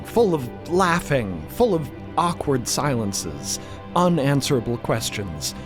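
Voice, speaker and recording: Animated man narrator over music. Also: medium pitch. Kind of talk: scripted dramatic narration.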